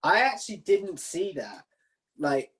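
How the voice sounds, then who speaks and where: A man's voice: on the high side, sing-song, a little slow, a bit bright. A man hosting a casual interview in an informal, chatty way. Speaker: podcast interviewer and host.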